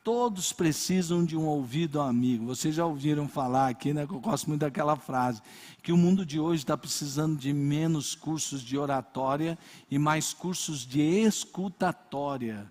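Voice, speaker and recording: An older man with a Brazilian accent preaching a sermon, telling personal stories in a lively way and acting out little scenes. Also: fairly high pitch, moderate pace, long reverb tail. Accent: Brazilian Portuguese. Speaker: pastor.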